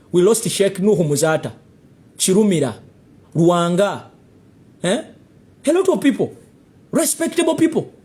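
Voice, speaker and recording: A man with a Ugandan English accent delivering a heated political rant to camera, accusing his listeners and firing off repeated rhetorical questions. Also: sits high. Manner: rising to near shouts. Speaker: political commentator.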